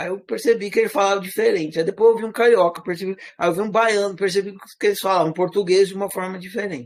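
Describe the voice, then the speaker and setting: A man with a high-pitched voice talks very fast, his intonation fairly even. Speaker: self-knowledge teacher. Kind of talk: lecture. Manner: conversational, informal.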